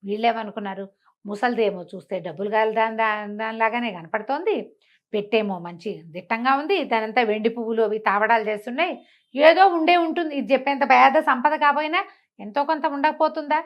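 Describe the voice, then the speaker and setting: A woman storyteller with a voice on the high side narrates a folk tale briskly and conversationally, repeating phrases and acting out the dialogue in animated oral style. The recording has its highs cut off.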